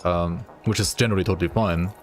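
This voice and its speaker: Deep-voiced man chatting on stream. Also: fairly even intonation, quick pace, faint music behind. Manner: rambling, thinks aloud, talks to chat. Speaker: gaming livestreamer. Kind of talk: casual chat with viewers while gaming.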